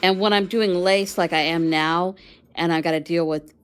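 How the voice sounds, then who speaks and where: Lowish woman's voice, chill and patient, walking through her stitches. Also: fairly even intonation, moderate pace. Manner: patient, explaining step by step. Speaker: guest knitter. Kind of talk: casual demonstration.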